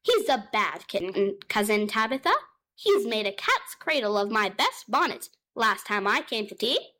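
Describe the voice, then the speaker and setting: A woman voicing a brisk, stern neighbor cat in a storybook reading, speaking firmly and steadily. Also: mid-range voice, big pitch swings, sharp tone. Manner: firm, measured, unflustered.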